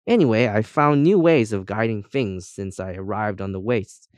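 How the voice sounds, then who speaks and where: A man's voice: on the low side, moderate pace, darkish tone, no echo, studio quality, lightly acted. A man voicing a chatty, cheerful female compass in a children's audiobook, with breezy, boastful colloquial talk.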